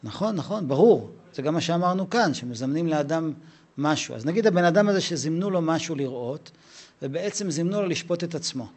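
A middle-aged man teaching Torah to a live audience, animated and conversational, acting out dialogues with a raised voice. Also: fairly high pitch, slightly rough.

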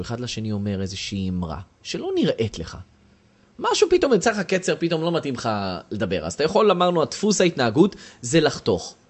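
A man giving a lecture to a class and asking the audience questions. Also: mid-range voice. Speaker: teacher.

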